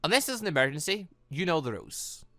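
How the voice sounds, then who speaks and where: A woman's voice: low-pitched, big pitch swings, fast, a bit bright, no room sound, clean studio sound, exaggerated voice. A woman voicing a coolly commanding villainous woman from a visual novel, with clipped, composed, formal phrasing.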